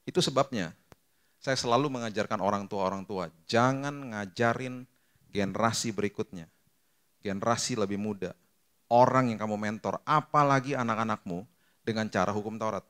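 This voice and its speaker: A middle-aged man preaching a sermon as pastor, lively and acting out quoted voices, with English phrases mixed in. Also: on the low side, moderate pace.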